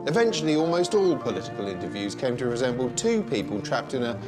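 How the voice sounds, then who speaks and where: A sardonic man delivers comic voice-over narration with a lively, up-and-down pitch. His tone is dry and mock-exasperated. A music bed plays clearly beneath him. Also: fast talker. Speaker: host and narrator.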